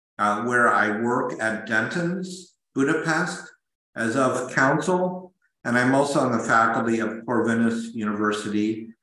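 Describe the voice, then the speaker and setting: Medium pitch from a man, fairly slow pace and audible room echo. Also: ordinary pitch variation. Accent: American. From US Midwest, Illinois. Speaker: lawyer and lecturer. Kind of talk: webinar lecture. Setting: online webinar. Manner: halting, many fillers and repetitions.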